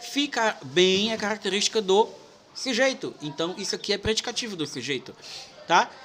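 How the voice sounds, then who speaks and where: Over noticeable background noise, the voice sounds animated, with lively intonation. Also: man, high pitch for a man. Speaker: teacher. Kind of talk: lecture. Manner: fast.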